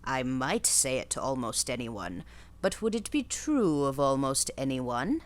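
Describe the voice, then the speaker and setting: A woman voicing a harsh old female gypsy fortune-teller who speaks slowly and deliberately in a low, decided voice. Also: sing-song, exaggerated voice. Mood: oracular. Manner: slow, low, emphatic pronouncements.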